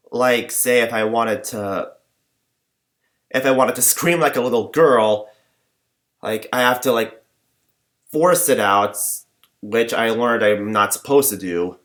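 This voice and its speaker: A young man rambling in a personal vlog, talking in a flat monotone with many fillers and false starts. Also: mid-range voice, takes it slowly, long pauses. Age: young adult. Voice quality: limited, flat range. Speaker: vlogger.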